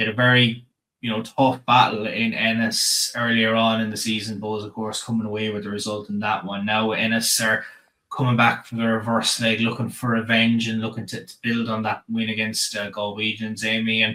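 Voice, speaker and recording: An Irish accent marks this man's medium-pitched voice. He speaks fairly quickly with monotone, flat intonation. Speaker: podcast host. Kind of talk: sports podcast discussion.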